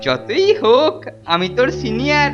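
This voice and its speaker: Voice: high voice, animated, a little slow, lo-fi sound. A performer voicing a boastful, teasing teenage senior schoolboy bully in a Bengali cartoon. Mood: taunting. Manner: taunting, boastful. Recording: music behind the voice.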